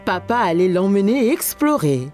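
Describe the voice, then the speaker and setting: A woman giving clear, storybook-like narration for a children's cartoon. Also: medium pitch, big pitch swings, normal speed, darkish tone, soft background music.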